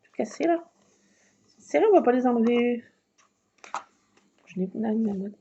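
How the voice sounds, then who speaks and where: A woman chatting through a casual craft tutorial at home at night, keeping her voice hushed and often slipping into a whisper, with rambling asides. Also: fairly high pitch, animated, moderate pace, vocal fry. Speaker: craft video maker. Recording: muffled lo-fi with faint noise.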